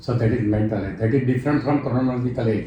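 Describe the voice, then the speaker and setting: There is audible room echo around this man's voice. His intonation stays fairly even. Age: 70s. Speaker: motivational trainer and author. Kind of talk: interview.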